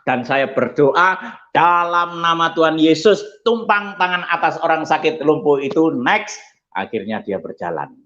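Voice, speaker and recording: A male pastor giving an animated testimony sermon, telling stories and acting out the people in them. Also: medium pitch, lo-fi sound. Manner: animated storytelling, acts out quoted voices.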